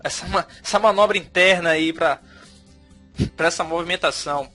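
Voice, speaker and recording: A man's voice: a little high, normal speed, bright, forceful tone, soft background music. A male podcast host who introduces the guest and steers the interview in an enthusiastic, emphatic way.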